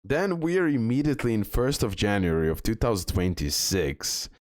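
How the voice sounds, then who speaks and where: A man's voice: fairly low pitch, normal speed, no echo, studio quality. A man giving casual commentary on game news and talking through images on screen, with frequent filler sounds. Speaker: gaming video creator.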